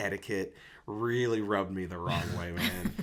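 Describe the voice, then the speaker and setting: A man talking at a moderate pace. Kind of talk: casual interview chat. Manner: halting, with repetitions and false starts.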